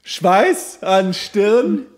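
A man playing an anxious schoolboy who slowly and haltingly reads out a report in a comic podcast skit. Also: high-pitched, big pitch swings, a little mellow, voice pushed up, heavily acted. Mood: nervous, strained. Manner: slow, halting recital. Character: anxious schoolboy reading a report he doesn't understand.

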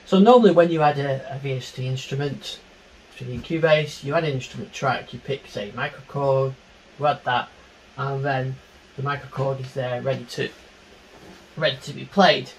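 A man's voice: medium pitch, normal speed. Middle-aged man, noisy room recording. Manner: explanatory, unscripted. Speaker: music software tutorial presenter. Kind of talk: informal screen-share tutorial. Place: small home studio room.

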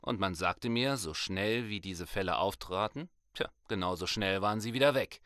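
Actor as a low-voiced weary male detective. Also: normal speed, fairly bright tone, smooth, no echo, studio quality, lightly acted. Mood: weary, matter-of-fact. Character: weary male police detective, methodical and dryly wry. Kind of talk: German audio drama acting, conversational.

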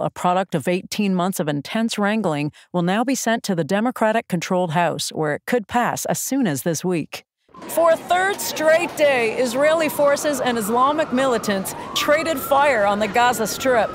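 A woman with an American accent reading scripted news as an anchor, articulate, professional and commanding. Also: a little high. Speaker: news anchor voice-over artist. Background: music bed.

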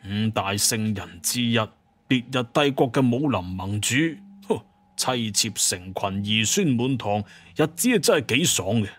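A man's voice: lowish voice, animated, a little slow. A man playing a proud, bitter hunter clan heir in an audio drama, with an emphatic manner. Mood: bitter, indignant.

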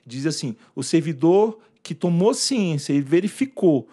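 A man's voice: on the high side, animated, a little slow, warm tone, husky. A man giving an informal lecture on workplace harassment law, acting out quoted dialogue and pointing to slides. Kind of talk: informal presentation to an audience.

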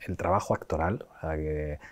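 A man's voice: extremely low pitch, moderate pace. A man from Spain hosting an interview, asking probing questions in a casual, colloquial way. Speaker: interviewer, host. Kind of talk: conversational interview.

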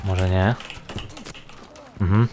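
Low-voiced man thinking aloud while gaming. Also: fairly even intonation, drawn-out words, noisy background. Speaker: gaming video host. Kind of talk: casual gameplay commentary.

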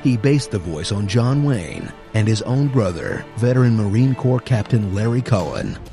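A man's voice: on the low side, very animated, moderate pace, creaky, music in the background. A man narrating a scripted tribute as a professional voice actor, with a polished, dramatic announcer delivery.

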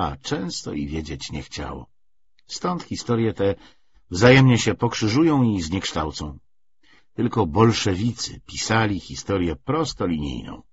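A man reading a literary audiobook in an expressive, measured, scripted narration style. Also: lowish voice, slightly rough. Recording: dull, slightly muffled lo-fi audio.

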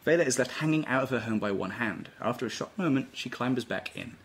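A man's voice: medium pitch, expressive, quick pace. A man giving scripted narration, reading stage directions at a table read. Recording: faint room noise.

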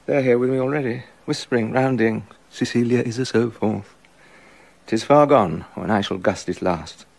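A man's voice: mid-range voice, normal speed, vocal fry, a little mellow, no room sound. An actor playing a jealous, brooding king in a radio drama, muttering bitter asides and building to angry accusation. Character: jealous brooding king, middle-aged man.

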